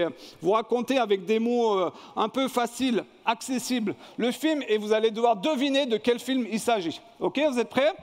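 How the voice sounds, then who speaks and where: A man leading a church service as pastor, running a lively film quiz and asking the congregation questions. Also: extremely high pitch. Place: church hall. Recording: long reverb in a church hall.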